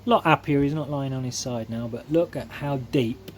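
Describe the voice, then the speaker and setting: A man's voice: medium pitch, normal speed, a little hiss or hum. A man vlogging casually in his back garden by a pond, chatty and homely, with plenty of fillers. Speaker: koi keeper vlogger. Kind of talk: casual vlog narration. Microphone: camera mic, moving between handheld and tripod.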